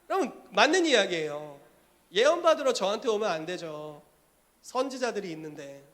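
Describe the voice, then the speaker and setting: A male pastor preaches a lively sermon with a high, bright voice. He talks in an animated way and moves between teaching and acted-out scenes. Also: normal speed.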